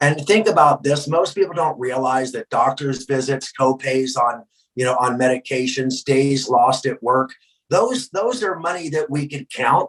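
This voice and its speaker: A man speaks at a moderate pace with medium pitch. His pitch varies in an ordinary way. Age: 60s. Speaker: company founder. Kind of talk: interview. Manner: animated.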